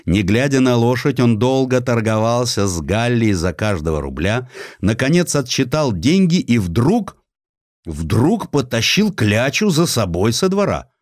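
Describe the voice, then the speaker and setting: Animated male narrator, dry studio sound. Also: medium pitch, unhurried, dry recording. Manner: dramatic, expressive. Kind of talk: theatrical scripted narration of a historical story.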